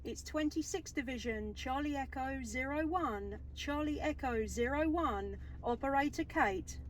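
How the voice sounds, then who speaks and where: A woman speaks in a high voice, calling as an enthusiastic mobile radio operator. She sounds set back from the microphone in a vehicle, with very loud noise all through the recording. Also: unhurried. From England. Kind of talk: amateur radio contact calls. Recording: noisy radio hobby recording, distant from mic.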